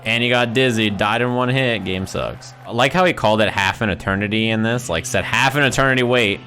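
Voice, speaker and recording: A man's voice: on the low side, brisk, bright, forceful tone, a little hiss or hum. A man giving casual, conversational fighting game commentary on a livestream, repeating phrases for emphasis and often checking in with "right?".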